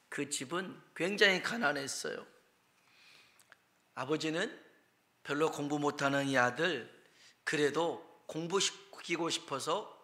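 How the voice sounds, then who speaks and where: Male pastor, storytelling sermon, bright and a touch high, swings between whispers and loud emphasis. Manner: conversational with asides and self-corrections. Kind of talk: Sunday morning sermon, storytelling.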